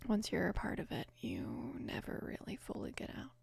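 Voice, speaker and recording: A woman of about twenty playing a caring, apologetic mafia boss's daughter in an intimate ASMR roleplay, soft-spoken and hesitant, with a breathy, creaky voice. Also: medium pitch, huge pitch swings, moderate pace, dry recording, full character voice. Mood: hesitant, confiding. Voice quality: breathy, whispery with heavy creak.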